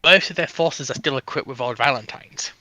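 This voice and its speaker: A man's voice: mid-range voice, fairly quick, bright, forceful tone, no echo. A man on a livestream panel, explaining history casually and step by step in short clauses.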